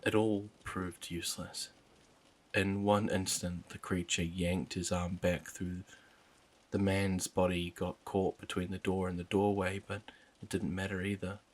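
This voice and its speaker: A man narrating a first-person horror story in a low, even, unhurried manner.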